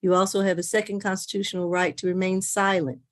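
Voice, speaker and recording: A woman judge giving formal, measured procedural explanations to open a court hearing. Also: mid-range voice, little pitch movement. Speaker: judge presiding over a court calendar. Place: remote court hearing on video call.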